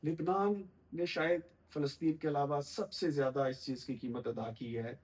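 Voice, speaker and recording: A middle-aged man, a guest commentator giving measured political analysis in formal language with frequent thoughtful pauses. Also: on the high side, steady tone, a little mellow, rough recording.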